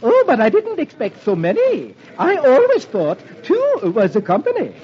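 Guy playing a prim rich lady, squeaky fluttery falsetto, dull old radio. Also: wildly swooping pitch, moderate pace, exaggerated voice. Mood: genteel.

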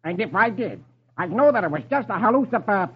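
A man's voice: sits high, expressive, brisk, husky, pitched above the performer's own voice, exaggerated voice. A man voicing a boastful, know-it-all cartoon duck uncle who stumbles over long words, in an old radio reading of comic strips. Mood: blustering. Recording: dull old radio recording.

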